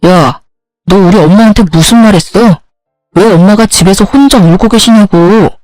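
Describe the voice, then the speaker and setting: A woman's voice: medium pitch, moderate pace, a little mellow, no room sound, soft background music, close to an everyday voice, rough recording. A woman voicing an irritable young husband who complains bluntly and defends his mother, in a read-aloud story. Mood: irritated.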